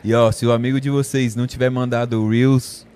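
A man from São hosts a casual podcast. He speaks softly, at a mid pitch, and jokes easily. Faint background noise sits behind him. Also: little pitch movement, a little fast. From São Paulo, Brazil. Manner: soft-spoken, joking, drops his volume. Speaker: podcast host.

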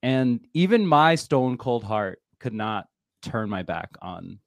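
A playful man hosts a casual podcast, laughing often. His pitch swings widely as he talks. The sound is dry and close. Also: very animated, slow, vocal fry, no echo. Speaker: podcast host.

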